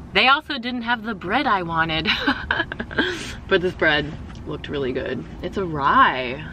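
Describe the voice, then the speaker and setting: Bright, effusive woman chatting in a car. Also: lowish voice, a little hiss or hum, rough recording. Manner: chatty and effusive, coos at her cat. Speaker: vlogger. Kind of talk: casual food-tasting vlog chat. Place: inside a parked car. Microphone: camera mounted on the dashboard.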